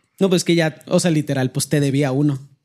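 Intonation is kept fairly even. A dark, mellow tone colors the voice. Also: man. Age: 30s. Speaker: church podcast co-host. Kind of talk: casual chat.

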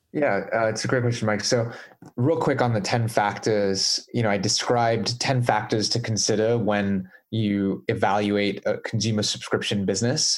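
A man with a normal speaking voice and fairly low pitch talks at a moderate pace, keeping very even loudness and fairly even intonation. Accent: American. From England (London), then California from teens. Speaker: venture capitalist. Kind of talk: interview.

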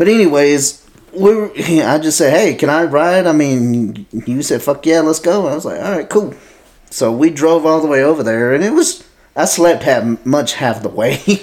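A man speaks with a Texan accent at a fairly high pitch and a moderate pace. His intonation is lively, and the recording is very clean with a silent background. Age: 20s. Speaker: podcast co-host. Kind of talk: casual chat.

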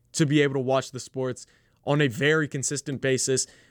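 This man has a Canadian accent and a fairly high pitch, speaking at a fairly quick pace. The sound is dry and close, with no echo. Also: very clean recording, silent background. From Toronto, Canada. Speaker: sports podcaster. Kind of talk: solo sports commentary podcast. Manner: casual, repetitive.

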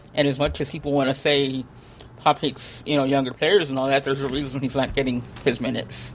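A man speaks at a very fast pace with vocal fry. His intonation is monotone and flat. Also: fairly high pitch for a man. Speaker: sports podcast co-host. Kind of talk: casual sports podcast chat.

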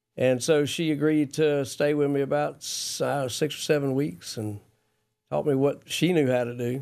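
With a Southern US accent, a man speaks at a moderate pace, his fairly high pitch held in fairly even intonation. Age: 60s. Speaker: restaurant owner. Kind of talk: interview. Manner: halting.

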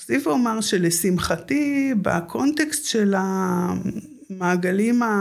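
Over noticeable background noise, a woman talks at a very slow pace with hardly any pauses, her pitch making very wide swings. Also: medium pitch for a woman. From Israel. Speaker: community resident interviewee. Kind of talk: casual interview. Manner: halting, with fillers.

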